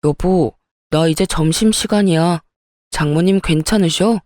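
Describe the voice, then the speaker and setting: A woman doing a low placating husband. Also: unhurried, a little mellow, no room sound, clean studio sound, natural voice. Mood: soothing. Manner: soothing, placating, lowered voice. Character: easygoing, dismissive young husband.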